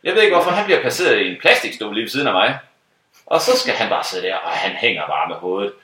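Lively, bright-voiced man telling stories. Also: lowish voice. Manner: lively, laughs often, acts out other people's voices. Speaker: hired musician telling a gig story. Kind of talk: casual storytelling. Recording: roomy sound from a distant mic.

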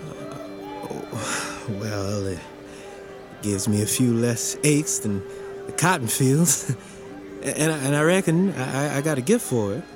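An actor playing a shy young gardener who speaks deferentially, with hesitant stammers. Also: male voice, medium pitch, slow, music in the background, lightly acted. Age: young adult.

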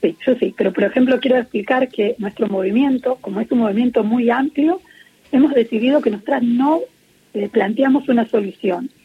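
A middle-aged woman from Argentina with an Argentine Spanish accent, speaking as an interviewee in a phone interview, earnest and measured with many hesitations. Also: fairly high pitch, breathy edge. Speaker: interviewee, peace activist. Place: at home in Israel. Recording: muffled lo-fi phone line.

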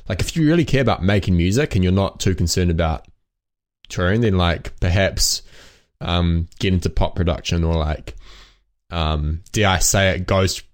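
A man's voice: sits low, moderate pace. A man hosting a music production podcast, talking in a thoughtful, conversational way and asking questions. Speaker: podcast host. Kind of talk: casual podcast interview.

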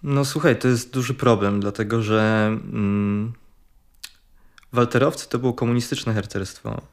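Man, smooth clear voice, monotone, careful halting explanation. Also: on the low side. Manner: hesitant, careful. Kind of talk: explanatory conversation.

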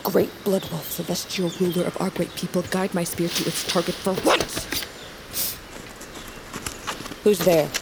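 A woman's voice: lowish voice, level tone, normal speed, vocal fry, background noise. A woman playing a proud, restless young tribal huntress in a fantasy audio drama, blunt and sardonic. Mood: frustrated, annoyed.

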